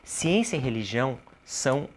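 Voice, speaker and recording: A Brazilian man gives explanatory answers as a guest in an interview. His pitch sits in a medium range. He builds his points like a teacher, posing questions and then answering them himself. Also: big pitch swings, normal speed. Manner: didactic, poses rhetorical questions and answers them. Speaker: interview guest, cultural producer and activist.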